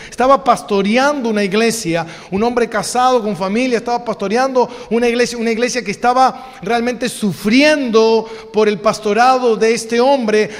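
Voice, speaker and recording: A man's voice: very high-pitched, big-room sound. A man with an Argentine accent, a pastor preaching a sermon, emphatic and full of rhetorical questions. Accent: Argentine Spanish. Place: church hall.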